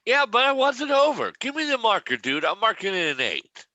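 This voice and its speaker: A woman's voice: a little high, very animated, normal speed, bright, forceful tone, lo-fi sound. A woman acting an indignant, mild-mannered male bowler, protesting casually in a script read. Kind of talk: acted table read of a film script.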